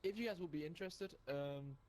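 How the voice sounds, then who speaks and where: A man's voice: a little high, a little fast, darkish tone. A man coaching gamers over a voice call, friendly, with lots of fillers and restarts.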